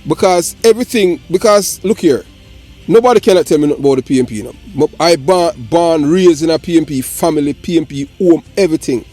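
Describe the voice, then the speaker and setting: A Jamaican man ranting on a live political talk show, forceful and repetitive with many restarts. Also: on the high side, fast talker, faint music behind. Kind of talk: heated political call-in talk.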